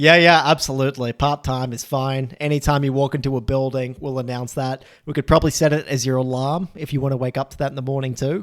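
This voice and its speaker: A man with an Australian accent talks at a medium pitch. He goes at a very fast pace with hardly any pauses. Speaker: podcast host. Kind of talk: casual interview chat. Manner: animated.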